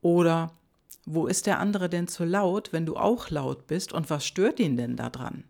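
A woman's voice: lowish voice, measured pace, creaky, a little mellow. A woman hosting her own podcast, talking directly to the listener in a chatty, reflective monologue full of rhetorical questions. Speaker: podcast host.

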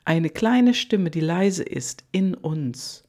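A coach giving a motivational monologue straight to the listener, with repeated soft phrases, frequent fillers and self-corrections. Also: mid-range voice, lively intonation, slow pace.

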